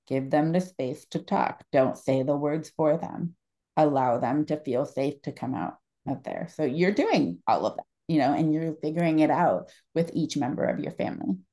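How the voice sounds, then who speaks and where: Low, mellow-voiced woman audiologist host. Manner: earnest, emphatic advice-giving. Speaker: podcast host, pediatric audiologist. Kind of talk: conversational interview.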